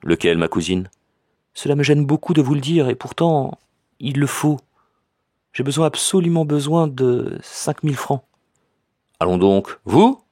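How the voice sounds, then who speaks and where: A man reading an audiobook, voicing a distraught, trembling society lady in a halting, tearful falsetto. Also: sing-song, a little mellow, no echo, clean studio sound. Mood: troubled.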